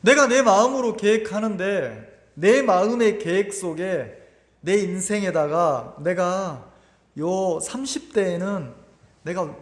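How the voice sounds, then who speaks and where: A man with a high voice preaches a Sunday sermon in a church, his pitch rising and falling widely. He talks conversationally, keeps asking the congregation questions and repeats his words. His voice rings through a reverberant hall. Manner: repeats words and uses filler "막" often. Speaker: pastor. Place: church sanctuary.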